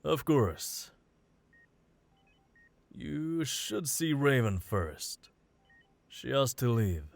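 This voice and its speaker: A man acting a calm, measured, plain-spoken character in an audio drama, with a creaky voice. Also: medium pitch, dry recording, full character voice. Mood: calm, firm.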